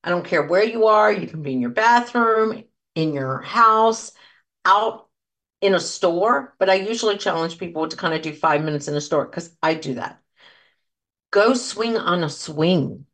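Woman, 50s, solo podcast host, encouraging coach voice, chatty asides, slightly low pitch. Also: lively intonation, measured pace, a bit bright. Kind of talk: casual solo podcast talk.

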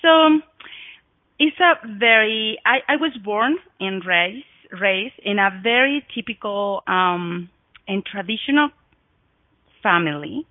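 A woman's voice: mid-range voice, lively intonation, slow pace, dry recording. A middle-aged woman from Mexico with a Mexican Spanish accent, hosting her own show and telling her story to listeners with effusive, gasping emphasis. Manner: effusive, breathy gasps, swooping emphasis. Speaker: podcast host. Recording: dry phone-like audio.

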